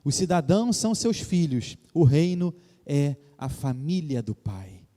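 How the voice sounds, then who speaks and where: A male pastor with a Rio de Janeiro accent preaches to his congregation in a reverent, earnest way, pausing for emphasis. His voice is somewhat high, but the tone is warm and mellow. A long church reverb trails each phrase. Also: expressive. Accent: Brazilian Portuguese, Rio de Janeiro. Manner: addresses the congregation as "queridos" often. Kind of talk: sermon. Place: church sanctuary.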